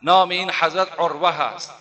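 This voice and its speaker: Bright-voiced preacher in a hall. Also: male voice, fairly high pitch, fairly even intonation. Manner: addresses listeners as dear brothers; slows down to recite Arabic phrases. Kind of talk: storytelling sermon. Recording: long hall reverb.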